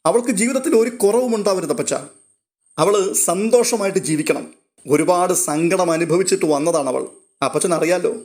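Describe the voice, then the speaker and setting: A man reads as a tipsy, lonely middle-aged father in a storybook, slurring and boastful, his voice pushed a little high. He swings from bragging to self-pity. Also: normal speed, darkish tone.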